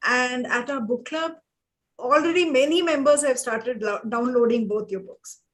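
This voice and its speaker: A woman's voice: high-pitched, moderate pace. A woman with an Indian accent, a book club organiser giving an informal speech of thanks.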